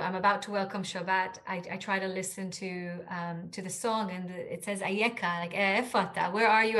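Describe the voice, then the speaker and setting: A woman whose first language is Hebrew, speaking English as a podcast guest. She talks earnestly and thoughtfully, often restarting her sentences, at an ordinary middling pitch. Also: fairly bright tone. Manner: earnest, reflective, with many restarts and fillers. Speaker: guest author. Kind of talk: podcast interview conversation.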